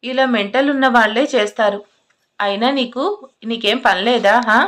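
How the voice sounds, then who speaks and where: A woman reading a sharp-tongued college girl. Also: on the high side, fairly even intonation, moderate pace, lightly acted. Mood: defiant. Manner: defensive, mocking. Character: sharp-tongued young female college student.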